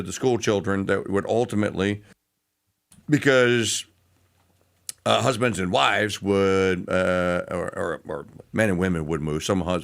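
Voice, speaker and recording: A middle-aged man from Louisiana, hosting a casual talk radio show, rambling and digressive with lots of fillers and restarts. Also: clean tone. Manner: animated pitch swings.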